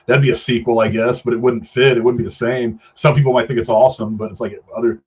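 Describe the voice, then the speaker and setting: A middle-aged man casually giving his opinions in a film discussion, haltingly repeating and rephrasing himself for emphasis. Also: mid-range voice, little pitch movement, a little mellow, slightly rough. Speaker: film review show host. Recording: dull, lo-fi sound.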